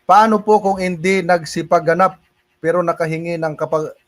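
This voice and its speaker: Speaking at a moderate pace with fairly even intonation, this pastor has a fairly high, fairly bright voice and a Filipino accent. On his livestream sermon he answers viewers' questions, mixes Tagalog with English, and laughs frequently while addressing everyone as brothers and sisters.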